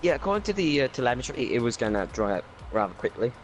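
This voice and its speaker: A Welsh man talking through his race as a league driver in a casual interview, rambling with many fillers and speeding up when excited. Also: mid-range voice, quick pace, faint music behind, rough recording. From Wales.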